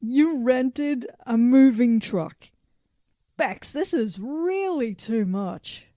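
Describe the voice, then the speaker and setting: A woman playing a self-conscious, grumbling female robot in an audio drama, deadpan and reluctant. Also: a little high, very slow, no echo, studio quality.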